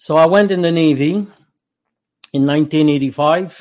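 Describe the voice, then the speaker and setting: A man with a French accent speaks with fairly even intonation over a quiet background. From Quebec. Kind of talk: testimony. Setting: video call.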